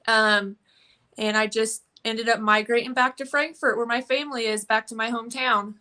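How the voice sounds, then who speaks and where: A woman's voice: a little high, steady tone, normal speed, pushed and bright. A young woman from Indiana telling her story as an interview guest, earnest, with many "um" fillers.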